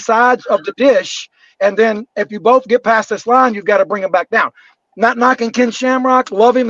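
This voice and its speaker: In a Southern US accent, a man speaks fairly quickly with a high pitch and an energetic, enthusiastic tone, the sound dry with no echo against a quiet background. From Nashville, Tennessee. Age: 50s. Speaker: combat sports manager and former bare knuckle fighter. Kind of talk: interview answer. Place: car. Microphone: video call.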